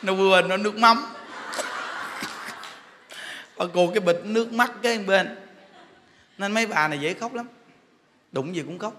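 Southern Vietnamese male monk, high bright voice, joking storyteller preaching; echoey hall. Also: normal speed, pauses often. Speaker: Buddhist monk teacher. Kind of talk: humorous dharma talk. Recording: echoey hall with faint noise.

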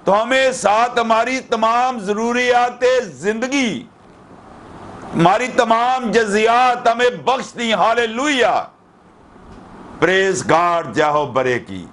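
A man's voice: extremely high pitch, takes it slowly, a bit bright, slight background noise. A middle-aged male pastor, preaching fervently with repeated hallelujahs, on a headset mic indoors. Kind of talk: sermon. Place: indoor room with curtains.

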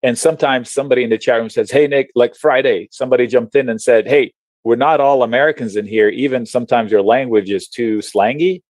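A man from Lebanon, an options trading educator, explaining charts on a video call in a chatty, animated way with slang and frequent restarts. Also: mid-range voice, brisk, dry recording. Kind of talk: casual webinar explanation while sharing charts.

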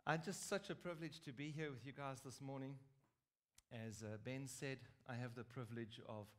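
A man in his forties with a South African accent, preaching on a church stage and telling a story in a lively, joking way. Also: mid-range voice, moderate pace. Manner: lively, chatty, joking asides. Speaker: guest preacher. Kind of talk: storytelling sermon. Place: large stage in a church hall.

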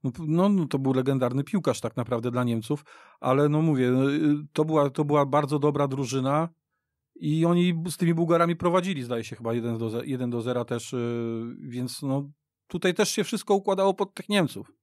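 A man's voice: medium pitch, a little fast, darkish tone, no room sound, clean studio sound. A middle-aged man reminiscing in a casual football discussion, rambling and repeating himself as he tells the story. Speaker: football podcast guest. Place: radio studio.

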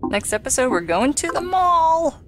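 A woman's voice: sits high, very animated, normal speed, a bit bright, a little hiss or hum. A woman hosting a let's play with casual, playful, sweary game commentary. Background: game music and sounds.

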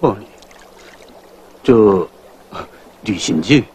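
A man playing a cheerful, bashful North Korean battalion commander in his thirties with a rough husky voice. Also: fairly low pitch, expressive, extremely slow, a little mellow, heavily acted. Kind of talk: film drama acting.

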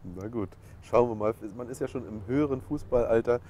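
A man's voice: mid-range voice, brisk, mellow, a little hiss or hum. A man in his thirties asking questions as interviewer in a casual sit-down talk. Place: open-air terrace by a training pitch. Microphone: lapel mic.

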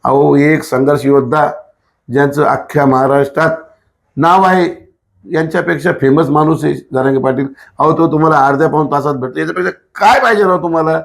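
A man's voice: on the high side, brisk, creaky. A man, an activist answering in a casual interview in a blunt, emphatic way with rhetorical questions. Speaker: political activist, interview guest.

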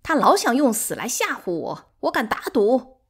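A woman voicing a spiteful, domineering concubine in an audiobook, scornful and forceful in her delivery. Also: a little high, very animated, moderate pace, slightly rough, voice pushed up. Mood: dismissive. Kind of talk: dramatic audiobook character acting.

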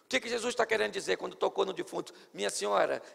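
Playful pastor preaching with a bright, edgy voice in a church with long reverb. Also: male voice, high-pitched, very fast, creaky, husky. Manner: theatrical, playful. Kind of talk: sermon. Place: church service.

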